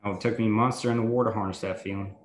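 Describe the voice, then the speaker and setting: A man's voice: fairly low pitch, fairly even intonation, racing, roomy sound, slight background noise, lightly acted. A man reading an easygoing, teasing male sharpshooter and war veteran at a table read.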